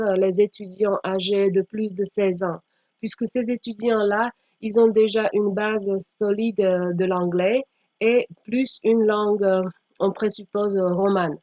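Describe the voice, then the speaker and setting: A woman giving a slide presentation as a teacher trainer, speaking haltingly with frequent pauses and sometimes reading aloud. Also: mid-range voice, warm tone. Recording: dull, echoey room sound.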